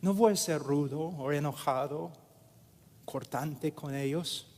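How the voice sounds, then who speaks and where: Slow emphatic male preacher, reverberant hall. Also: on the high side, a little mellow. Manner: slow and emphatic, repeating phrases. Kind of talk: sermon.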